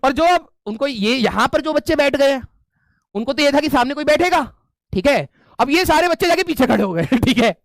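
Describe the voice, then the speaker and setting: A man's voice: very high-pitched, lively intonation, brisk, no room sound. A male teacher telling a humorous story to his class with students around him, often chuckling and checking in with them as he goes.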